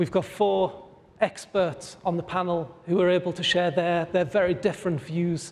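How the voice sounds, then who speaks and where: Speaking at a moderate pace with fairly even intonation, the voice has an English accent. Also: man. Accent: English accent, noticeable. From northern England. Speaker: panel moderator. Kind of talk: panel introduction speech.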